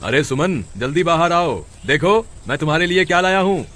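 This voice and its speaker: A man's voice: on the high side, animated, fairly quick, a bit bright. A man voicing a kind village farmer in a cartoon story, earnest and firm. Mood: gentle. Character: kind village farmer, grown man, protective of his family.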